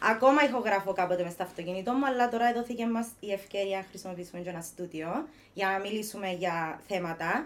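A woman in a Cypriot accent, medium-pitched and fairly quick, with ordinary pitch variation. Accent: Cypriot Greek. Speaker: podcast host. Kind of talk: casual chat. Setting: studio.

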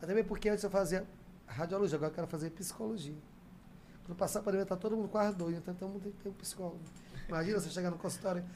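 A man with a dark, mellow tone and a high pitch speaks very fast, broken up by long, frequent pauses. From Teresina, Piauí, Brazil. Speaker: local personality, caregiver. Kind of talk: casual chat. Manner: animated.

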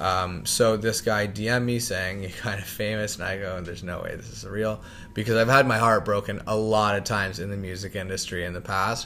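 In a Canadian accent, a voice moves at a fairly quick pace with monotone, flat intonation and big swings in loudness. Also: man, fairly low pitch for a man, hardly any pauses. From Ontario, Canada (Niagara region). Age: 20s. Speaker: music producer and DJ. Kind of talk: casual interview chat.

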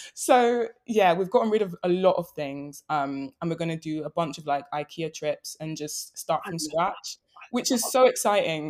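A woman's lively-inflected London accent at a fairly slow pace. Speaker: podcast co-host. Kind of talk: casual chat.

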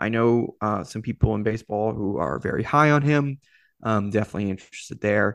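In quiet surroundings, a man delivers his words at a medium tempo. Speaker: podcast host. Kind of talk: casual interview chat.

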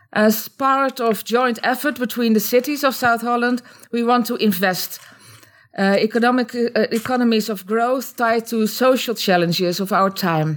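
At a moderate pace, a woman with a Dutch accent speaks at a fairly high pitch with ordinary pitch variation. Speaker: deputy mayor. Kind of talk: webinar presentation. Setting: video call. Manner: halting.

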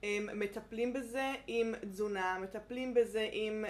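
A woman speaks with a German accent at a medium pitch. Her intonation stays fairly even. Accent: German accent in Hebrew. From Germany, Munich. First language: German (speaking Hebrew). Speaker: physiotherapist. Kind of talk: interview. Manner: halting.

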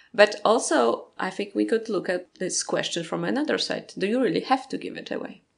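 A woman with a Polish accent speaks at a moderate pace. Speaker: podcast host. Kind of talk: interview.

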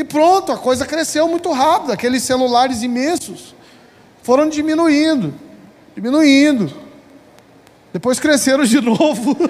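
This man's pitch is extremely high, with ordinary variation. He goes fairly slowly, leaving long, frequent pauses. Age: 30s. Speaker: pastor. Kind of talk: sermon.

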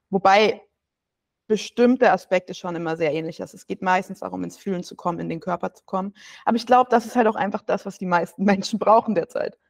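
Talking at a very fast pace, a woman with a medium pitch and ordinary pitch variation swings widely in loudness, in a dry, close sound with no echo. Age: 20s. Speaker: coach working on psychological processes. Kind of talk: casual chat.

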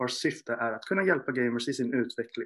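Over a quiet background, a man talks at medium pitch in an ordinary speaking voice. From Stockholm, Sweden. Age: 30s. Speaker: sports psychology consultant. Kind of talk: casual chat.

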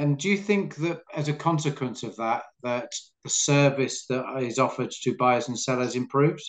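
A man speaks with an English accent at a fairly high pitch. His pace is moderate, with ordinary pitch variation. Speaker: podcast co-host, estate agent. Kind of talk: interview. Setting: video call.

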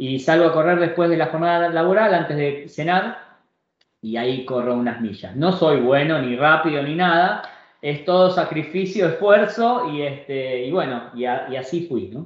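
A man at a moderate pace, with audible room echo. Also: lively intonation. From Argentina, Buenos Aires. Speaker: company director. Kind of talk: casual interview.

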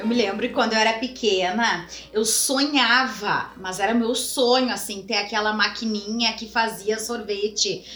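With noticeable background noise and audible room echo, a woman talks fairly slowly in a fairly high voice, her intonation fairly even and her pauses hardly any. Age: 30s. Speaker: podcast co-host and teacher. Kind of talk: casual chat.

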